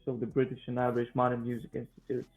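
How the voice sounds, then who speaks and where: Young guy w romanian accent chatting in an interview, kinda halting, lower side voice, thin phone sound. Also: monotone, muffled recording, faint music behind. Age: 20s. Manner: halting, repeats words mid-sentence. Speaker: guest, vocal coach and singer-songwriter. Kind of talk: conversational interview answers.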